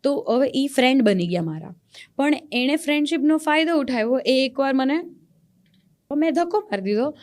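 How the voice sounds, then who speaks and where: A woman's voice: high-pitched, normal speed. Young Gujarati woman telling her story. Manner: earnest, animated when recounting anger. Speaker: podcast guest, actress. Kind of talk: emotional personal storytelling.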